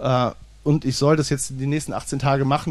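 In a fairly high pitch, a man speaks fairly quickly. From Germany, Cologne. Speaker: screenwriter and ultra-distance cyclist. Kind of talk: live podcast interview. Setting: stage with live audience.

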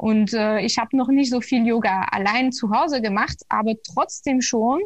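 A fairly high-pitched woman speaks at a fairly slow pace, somewhat breathy, with ordinary pitch variation. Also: quiet background. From Belgium. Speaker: yoga teacher. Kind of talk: interview. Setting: studio.

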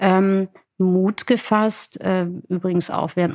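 A woman at a medium pitch, very slow pace, in a dry, close sound with no echo. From Germany. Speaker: entrepreneur. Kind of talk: interview.

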